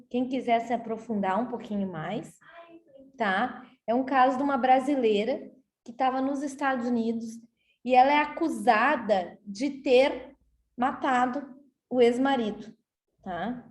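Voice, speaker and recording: A Brazilian-accented woman teaches a law class in a loose, conversational manner, explaining cases and checking in with her students as she goes. Her voice sits high. The room rings with a noticeable echo. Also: darkish tone. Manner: chatty and explanatory, tags sentences with "tá?". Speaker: law lecturer. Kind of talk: university lecture to a class. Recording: roomy echo.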